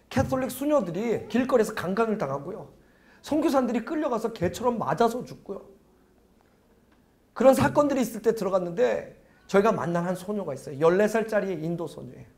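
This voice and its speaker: Middle-aged male pastor with a high voice, preaching with dramatic swings from loud to hushed. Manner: dramatic storytelling, swinging from loud urgency to hushed near-whisper. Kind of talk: sermon.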